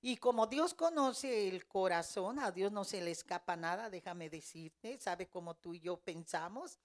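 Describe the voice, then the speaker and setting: A woman's voice: medium pitch, lively intonation, a little slow. A middle-aged woman giving a fervent Christian testimony in an interview, telling her story with emotion. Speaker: care home director.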